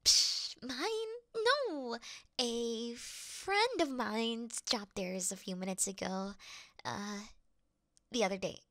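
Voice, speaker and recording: A woman plays a clumsy young female thief with a high, bright voice, recorded close and dry. She blusters like a tough rogue but stammers and gets flustered, easily frightened under the bravado. It is cute, theatrical ASMR roleplay acting. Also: slow pace, no echo, heavily acted.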